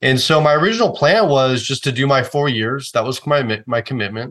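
An unremarkable speaking voice, this man talks at a fairly quick pace with a General American accent and medium pitch over a quiet background. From San Francisco Bay Area, California. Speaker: Air Force veteran and retired police sergeant. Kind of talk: interview.

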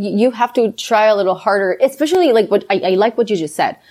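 On a very clean recording with a silent background, a woman speaks at a fairly quick pace in a Colombian accent. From Colombia, Coffee Axis. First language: Spanish. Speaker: immigrant guest. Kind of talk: casual interview chat. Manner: upbeat, positive.

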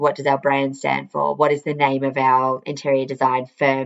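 Her pitch is very deep and low for a woman, and she keeps a moderate pace. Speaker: interior design business coach, podcast host. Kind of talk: podcast monologue, business tutorial.

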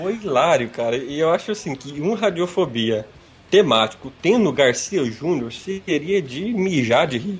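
A man with a fairly high pitch talks at a fairly slow pace, his voice making very wide pitch swings. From Goiânia, Brazil. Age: 30s. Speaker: accountant. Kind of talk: casual chat. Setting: call-in from phone app.

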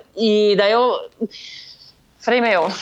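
A woman speaking at a fairly slow pace amid noticeable background noise. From rural São Paulo state, Brazil (Itapura). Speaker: professional cyclist and endurance athlete. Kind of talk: interview.

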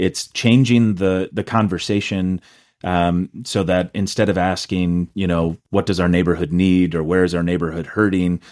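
A man with an American accent and a very deep, low pitch, at a moderate pace with fairly even intonation, in a dry, close sound with no echo on a very clean recording with a silent background. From Minnesota. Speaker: church director for community practices. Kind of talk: interview.

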